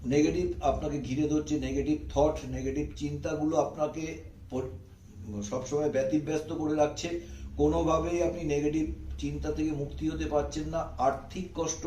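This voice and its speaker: A man hosting a devotional channel, giving earnest, repetitive advice and chanting mantras slowly. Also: fairly high pitch, mellow. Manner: slow, drawn-out chanting of Sanskrit mantras between plain explanation. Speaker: astrology channel host. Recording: roomy, slightly distant with faint noise.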